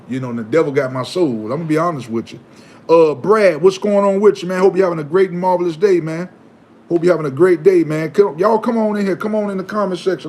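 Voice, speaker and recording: A man hosting a live stream, chatting casually and preaching, animated and given to repeating himself. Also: on the high side, a little hiss or hum. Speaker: livestream host.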